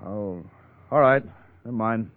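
A man's voice: lowish voice, unhurried, soft background music, lightly acted. An actor playing a guilty businessman who feigns breeziness, hesitant and falsely casual, in 1940s radio acting style. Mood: anxious. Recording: muffled, roomy vintage radio recording.

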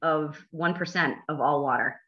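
A woman's voice: low voice, moderate pace, lo-fi sound. A woman attorney hosting a casual podcast, quizzing her co-host with dry, blunt teasing.

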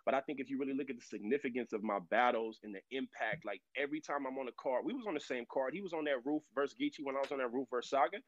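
A man's voice: mid-range voice, rapid-fire, few pauses, no room sound. A man as a guest on a remote call, talking in brash street slang, his voice muffled through a headset mic. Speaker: guest battle rapper. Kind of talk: casual podcast chat.

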